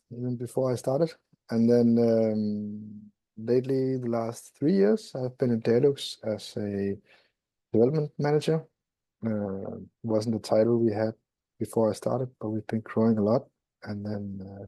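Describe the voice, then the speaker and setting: A man introducing himself as a development manager on a video call. His voice is mellow and close, with a dry sound, and his tone is casual and a little self-deprecating. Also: medium pitch, unhurried, dry recording. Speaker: development manager, panel guest.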